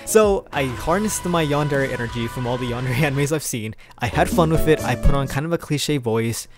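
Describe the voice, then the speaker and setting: A man's voice: medium pitch, fairly quick, music in the background. A young man telling a casual storytime in a chatty, slangy, rambling way as a video creator. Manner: animated, chuckling, informal slangy rambling. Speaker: video creator, amateur voice actor.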